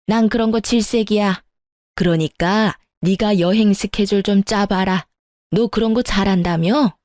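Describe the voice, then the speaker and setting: A woman's voice: mid-range voice, fairly even intonation, unhurried, a little mellow, no room sound, studio quality, close to an everyday voice. A woman voicing a pushy, domineering older mother-in-law who nags and scoffs. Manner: nagging, domineering.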